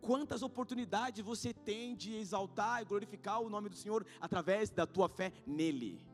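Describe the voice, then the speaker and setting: A man in his thirties with a Brazilian Portuguese accent preaches in a fairly high voice, mixing street slang into his sermon. He swings from hushed, intimate storytelling to loud exhortation. A guitar plays faintly beneath him in the church. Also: moderate pace. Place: church sanctuary. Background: faint guitar music.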